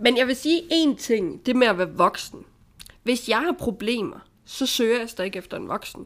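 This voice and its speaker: A woman with a plain, everyday voice speaks at a fairly high pitch and a moderate pace. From Southern Jutland, Denmark (Sønderborg area). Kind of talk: casual chat.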